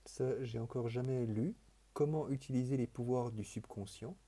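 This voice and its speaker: A man with a very dark, mellow voice talks through his book collection in an improvised vlog monologue. He wanders and hesitates, stacking repeated words before he lands a thought. His tone stays earnest and quietly enthusiastic. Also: mid-range voice, normal speed, husky. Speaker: vlogger presenting his books.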